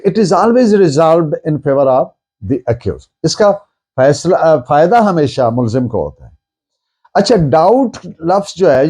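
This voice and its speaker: A man with a Pakistani accent teaches law in a soft, mellow voice that sits slightly high for a man. He explains step by step, asking questions and then answering them. He shifts into careful English for legal phrases. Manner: switches to slow, deliberate English for legal phrases. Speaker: law lecturer. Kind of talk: explanatory law lecture with worked examples.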